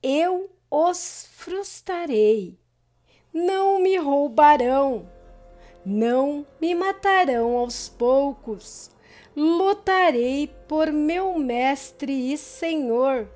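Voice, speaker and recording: A woman's voice: high-pitched, expressive, drawn-out words, soft background music, full character voice. A woman doing a raving male madman. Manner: shouting, fanatical. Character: raving madman, male asylum patient, defiant.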